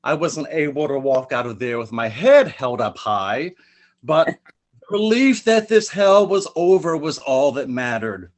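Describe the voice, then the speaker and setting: A man reads his own prose poem aloud at a virtual reading, his voice sitting a little high. His delivery is expressive and theatrical, rising and falling through the lines. The sound has the feel of a video call. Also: a little slow. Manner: expressive dramatic reading, pitch rises and falls. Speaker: poet reading his work.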